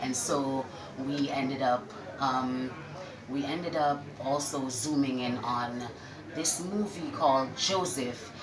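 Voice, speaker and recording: A woman's voice: rumbling low, slow, a crowd in the background. A woman telling her story casually as an interview guest, recorded in an echoey, noisy space. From Jamaica. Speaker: restaurant owner, interview guest. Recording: echoey room with loud-ish background noise.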